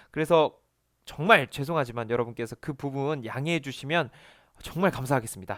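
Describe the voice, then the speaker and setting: The recording is very clean, with a silent background. Delivery is fairly quick, with ordinary pitch variation. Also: man, fairly high pitch for a man. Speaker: electrical exam tutor. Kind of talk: lecture. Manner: fast; occasionally stumbling over words.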